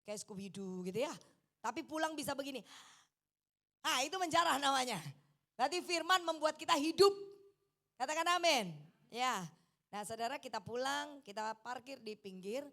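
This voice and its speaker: A high-voiced middle-aged woman preacher. She tells her testimony in an animated way, acting out sounds and calling on the congregation for responses. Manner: animated storytelling with sound effects and congregation call-outs. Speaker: evangelist preacher. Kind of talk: sermon with a personal testimony.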